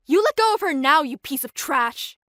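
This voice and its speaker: A woman's voice: sits high, expressive, moderate pace, fairly bright tone, no echo, studio quality. A woman playing an outspoken young store cashier in an audio drama, scolding defiantly and emphatically. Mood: angry, defiant.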